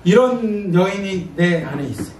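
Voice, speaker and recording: A male pastor giving a sermon and reading scripture, talking in a conversational, animated way. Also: sits high, a little slow. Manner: conversational, animated preaching with acted-out asides. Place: church sanctuary. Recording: echoey church, distant mic, faint noise.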